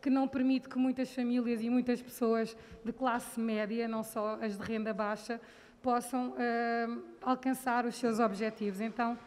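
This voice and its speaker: Steady-toned woman in an echoing hall. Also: a little high, moderate pace. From Angola. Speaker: audience member. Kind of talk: comment from the floor.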